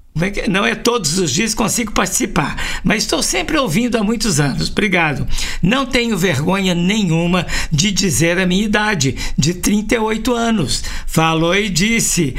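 High-voiced Brazilian radio host. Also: male voice, creaky, fairly bright tone. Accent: Brazilian Portuguese. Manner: chatty and joking, reads messages aloud. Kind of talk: radio call-in show reading listener messages.

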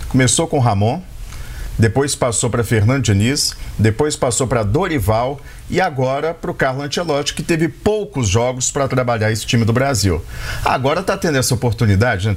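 A man gives calm, analytic football commentary on a radio show. His voice sits at an ordinary middle pitch. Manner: measured, analytic. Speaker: sports commentator.

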